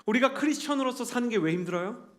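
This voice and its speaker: A man in his thirties preaching a sermon to a young adult congregation, earnest and animated, acting out quotes as he tells stories. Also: very high voice, quick pace. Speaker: pastor. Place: church sanctuary.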